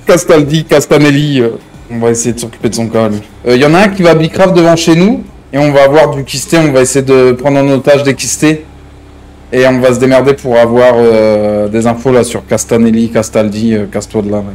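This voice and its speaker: A man's voice: mid-range voice, fairly even intonation, brisk, darkish tone, natural voice. A man playing a hot-headed, menacing gang member in an improvised online crime roleplay, talking in slang with repeated verbal tics. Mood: businesslike plotting.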